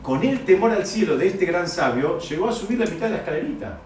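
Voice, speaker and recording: A man teaching a Talmud story to students, animated and repeating key phrases. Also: high-pitched, fast talker, a little hiss or hum. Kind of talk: lecture to students. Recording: echoey room, mic far off.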